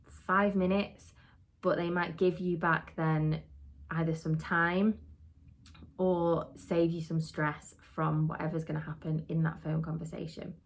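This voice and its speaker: Woman, middle-aged, low voice, earnest trainer, steady podcast lesson, rhetorical questions. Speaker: social work trainer. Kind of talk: podcast teaching talk.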